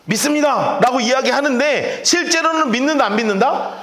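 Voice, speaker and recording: A man's voice: extremely high pitch, lively intonation, brisk, fairly bright tone. A male pastor preaching a sermon and telling stories with playful acted voices. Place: church hall. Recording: echoey church hall.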